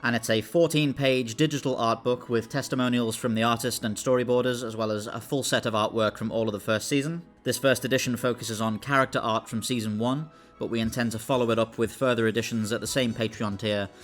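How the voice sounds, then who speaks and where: A man's voice: mid-range voice, steady tone, fairly quick, few pauses. A man giving an informal promotional announcement to fans of a show. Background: music.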